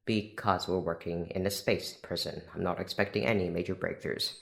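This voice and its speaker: A man's voice: low-pitched, steady tone, normal speed, gravelly. A man playing a stern, pedantic, exasperated research scientist in an audio drama trailer. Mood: resigned. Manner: formal, exasperated. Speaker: voice actor.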